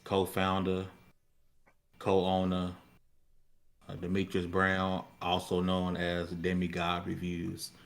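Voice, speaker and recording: A man with a low voice and a fairly flat delivery hosts a livestream in grief. He speaks haltingly and quietly from the heart, subdued throughout. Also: vocal fry. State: grieving. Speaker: show host.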